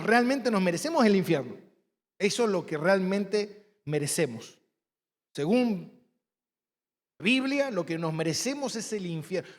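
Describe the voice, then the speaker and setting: A man with an Argentine accent, preaching a sermon as pastor, emphatic and repetitive, telling personal stories. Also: sits high. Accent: Argentine Spanish. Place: church sanctuary. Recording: long church hall reverb.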